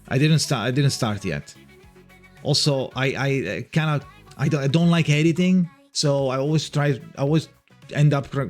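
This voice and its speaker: A man's voice: medium pitch, a little mellow. A young man from Italy with an Italian accent, chatting casually with viewers on a livestream and often restarting his sentences. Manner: rambling, frequent restarts and swearing. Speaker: streamer.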